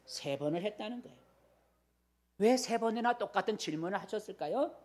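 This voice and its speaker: A man's voice: high voice, expressive, a little fast, darkish tone. A male pastor giving a sermon in a conversational way, repeating phrases and asking the congregation questions.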